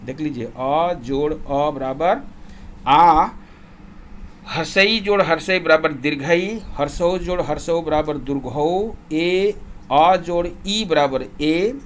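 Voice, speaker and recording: Man teaching grammar, slow and chanting. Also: fairly high pitch, slight background noise. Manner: slow deliberate chanting of vowel lists for recitation. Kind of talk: classroom lesson.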